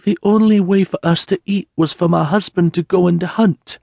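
A man voicing a grieving young peasant mother, tearful and humble, speaking in halting, broken phrases. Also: sits high, steady tone, gravelly, darkish tone, dry recording, voice pushed up.

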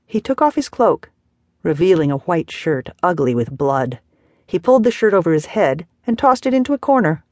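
A woman narrating a novel as an audiobook, measured and expressive. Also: on the low side, dry recording. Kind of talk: scripted narration.

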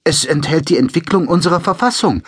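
A man's voice: fairly high pitch, brisk, breathy edge, dry recording, clean studio sound, pitched above the performer's own voice. A man voicing an anxious, earnest male scientist in an audiobook, speaking in an uneasy, pleading way. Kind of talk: audiobook character voice.

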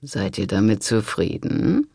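A man reading an audiobook, voicing a sly, scheming monk who speaks in a slow, soothing, conspiratorial way. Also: fairly low pitch, wildly swooping pitch, creaky, a little mellow, husky, dry recording, clean studio sound, heavily acted. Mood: coaxing.

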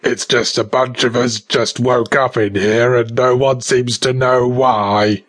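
A man voicing a friendly male zombie with a gravelly, rough voice, speaking in an easygoing, matter-of-fact way. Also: medium pitch, steady tone, takes it slowly, fairly bright tone.

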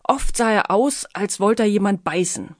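A woman's voice: medium pitch, normal speed, dry recording, clean studio sound. Woman reading a children's audiobook. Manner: playful storytelling. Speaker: author and narrator.

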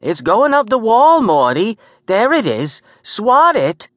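A man voicing a bossy, exasperated aging woman with a sharp New York accent in an audiobook. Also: high-pitched, huge pitch swings, normal speed, no room sound, clean studio sound, pitched above the performer's own voice, exaggerated voice. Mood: panicked, shrieking. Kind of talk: audiobook character acting.

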